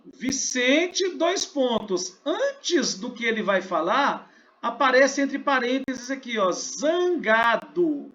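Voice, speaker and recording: Brazilian male teacher, animated delivery, dull lo-fi sound, talks students through a lesson. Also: very high voice. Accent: Brazilian Portuguese. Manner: explanatory, asks and answers his own questions. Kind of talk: recorded online class.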